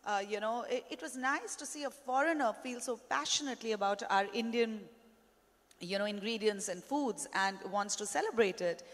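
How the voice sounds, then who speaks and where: A woman's voice: on the high side, normal speed. A woman in her thirties moderating a panel on a conference stage, chatty and anecdotal with many fillers, into a handheld mic. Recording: long hall reverb.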